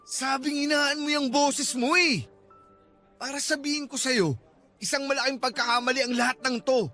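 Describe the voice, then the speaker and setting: An irritable, defensive student boyfriend in a radio drama. His voice is very high and bright for a man, exasperated and insistent, with faint music behind. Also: normal speed. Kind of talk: Tagalog radio drama acting.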